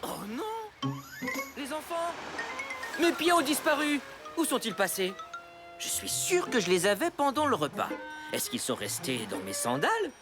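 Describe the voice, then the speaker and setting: A man's voice: very high voice, huge pitch swings, unhurried, long pauses, full character voice. A man voicing a good-natured, playfully theatrical young father in a children's cartoon. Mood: mock alarm. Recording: music behind the voice.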